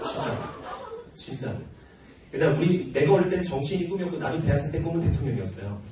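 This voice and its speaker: Animated man teacher in an echoey classroom. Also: on the high side, fast, faint music behind. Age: early forties. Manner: playful, joking, earnest, often laughing. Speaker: history teacher at a cram school. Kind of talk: informal question-and-answer with students. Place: large classroom with students. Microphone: handheld microphone, filmed by tripod camera at back. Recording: roomy classroom, distant mic, noisy.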